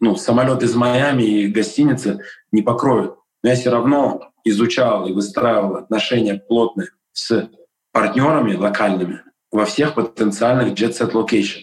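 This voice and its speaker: Speaking at a moderate pace with a non-native accent, a man keeps a medium pitch, ordinary pitch variation and very even loudness. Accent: non-native Russian. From Israel. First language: Hebrew (speaking Russian). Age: 40s. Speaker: real estate broker. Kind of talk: interview.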